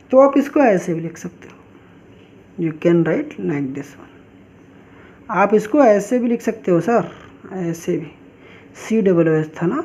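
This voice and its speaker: A woman teaching a chemistry class, who keeps asking questions and answering them herself and drags out key terms slowly. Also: fairly high pitch, darkish tone. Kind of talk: online class lecture. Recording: dull lo-fi recording.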